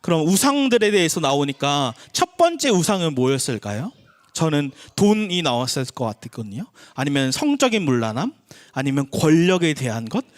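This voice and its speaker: A man's voice: sing-song, normal speed. A man in his thirties preaching a sermon as a pastor, talking with the congregation in a conversational way and acting out the people he quotes. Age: 30s. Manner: conversational preaching, acts out quoted voices with shifts in pitch. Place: church sanctuary.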